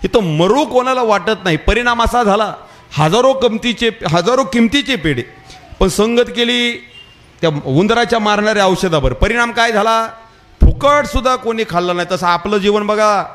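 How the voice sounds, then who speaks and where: A man with a notably high voice preaching a devotional kirtan before a live gathering. He moves through his parables in a chatty storytelling manner. He keeps turning to the audience and telling them to listen. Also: moderate pace. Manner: addresses the audience directly with repeated calls to listen; tells parables in a lively, conversational way.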